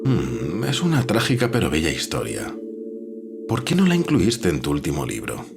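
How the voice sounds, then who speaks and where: A calm, analytical editor for audio drama; very deep, animated pitch, noticeable background noise. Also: male voice, gravelly, heavily acted. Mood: thoughtful, advising. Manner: measured, reflective, reasoning.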